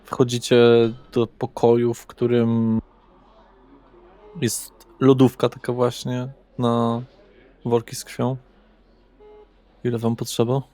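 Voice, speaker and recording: A man's voice: medium pitch, completely flat delivery, slow pace, dark tone. A man narrating a tabletop roleplaying game as its game master.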